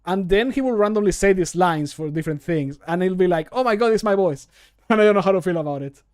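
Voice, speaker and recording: Male streamer, thirties, pitch a little high, loose rambling self-deprecating chat. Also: fast talker, a little mellow, smooth. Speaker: streamer and game modder. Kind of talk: casual livestream chat. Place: small room at home, indoors.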